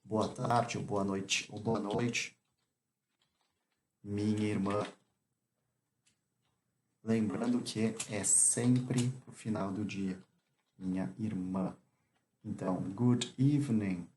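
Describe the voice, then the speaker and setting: A man teaching English in Portuguese, explaining greetings and slowly repeating each example phrase. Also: on the low side, steady tone, darkish tone, a little hiss or hum.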